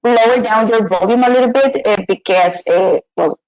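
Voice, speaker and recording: A woman's voice: on the high side, normal speed, a little mellow. A young woman from Mexico presenting a live online teaching webinar from a small room, hesitant with many fillers and restarts. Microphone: webcam and computer mic. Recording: dull lo-fi webinar audio.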